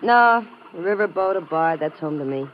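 An actress playing a worldly, brassy American riverboat singer in a 1950s radio drama, slangy, wry and streetwise. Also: female voice, on the low side, lively intonation, moderate pace, natural voice. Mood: flirty, world-weary. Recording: muffled, hissy old radio recording.

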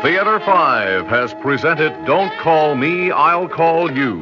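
Formal old-time radio announcer over music. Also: male voice, a little high, expressive, slow. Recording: dull old broadcast with music.

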